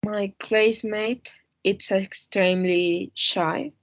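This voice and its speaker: A woman student answering English exercises hesitantly, with pauses and fillers. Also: medium pitch, fairly even intonation, no echo, lo-fi sound.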